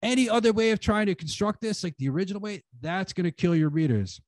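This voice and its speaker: A man with a fairly high voice gives an easygoing conference talk on editing, peppering it with "like" and "you know." His voice comes through a video call, close and dry with no room sound. He speaks loosely and informally. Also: lively intonation, fast, a little mellow, no room sound. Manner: casual, filler-heavy, uses "like" and "you know". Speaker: guest speaker, writing teacher. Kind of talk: conference talk to an online audience.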